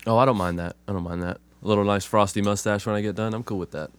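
A hoarse, low-voiced man talks in a laid-back, easy way. He has a cold, and his voice comes out rough. The recording is close and dry. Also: steady tone, fast talker, dry recording. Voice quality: rough, smoker-like voice. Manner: laid-back, swears casually, says "man" a lot. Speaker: podcast co-host. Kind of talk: casual chat.

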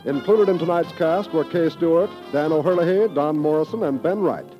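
A man's voice: a little high, normal speed, faint music behind. A man with an American accent announcing formally in the style of 1950s network radio. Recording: dull old radio recording.

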